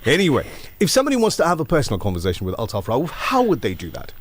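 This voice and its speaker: Lively radio host man. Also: mid-range voice, very fast. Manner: relaxed, chatty, reads out listener messages. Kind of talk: live breakfast radio show, taking listener messages.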